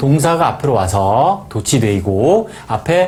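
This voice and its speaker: A man speaks at a medium pitch with very wide pitch swings, over noticeable background noise and audible room echo. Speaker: English teacher. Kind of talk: lecture.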